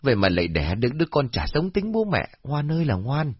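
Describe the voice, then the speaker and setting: A man's voice: medium pitch, very animated, fast, husky, no room sound, muffled recording, voice pushed up. A man voicing a kindly, talkative older village man. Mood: chatty. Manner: chatty and familiar.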